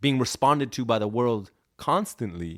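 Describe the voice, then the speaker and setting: The man's voice comes through dry and close with no echo, on a very clean recording with a silent background. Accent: Los Angeles. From Los Angeles, South Central. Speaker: guest, LA native. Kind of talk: casual chat. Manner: animated.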